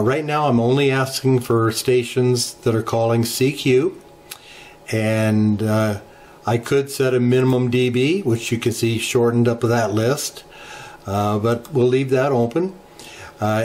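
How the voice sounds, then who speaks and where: A middle-aged man hosting a ham radio channel, walking through software settings in an unhurried tutorial with many filler pauses, recorded at a desk in his home radio room. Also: mid-range voice. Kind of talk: screen-share software tutorial. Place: home radio shack, indoors.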